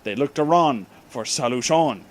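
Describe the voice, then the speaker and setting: A man's voice: mid-range voice, lively intonation. A man reading fan fiction aloud as a comedic dramatic reading, pronouncing the misspellings just as written and adding asides. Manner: deliberately reads misspellings as written.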